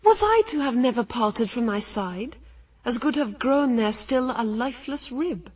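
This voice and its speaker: An actress playing Eve, a wounded, defiant first wife, in formal, reproachful verse radio drama. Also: female voice, on the high side, animated, unhurried, darkish tone, slightly rough, far from the mic. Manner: formal, reproachful, archaic rhetorical questioning.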